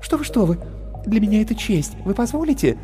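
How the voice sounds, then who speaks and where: A man voicing an effusive young woman clown in an audiobook, in a breathless, gushing falsetto. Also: sing-song, brisk, warm tone. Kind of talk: audiobook character voice. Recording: reverberant, with faint music.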